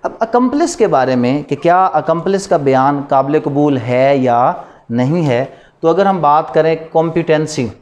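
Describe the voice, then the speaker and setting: A man's voice: a little high, darkish tone. A man with a Pakistani accent giving a classroom lecture, didactic, repeating points and posing rhetorical questions. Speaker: law lecturer. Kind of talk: classroom lecture mixing Urdu with English legal terms.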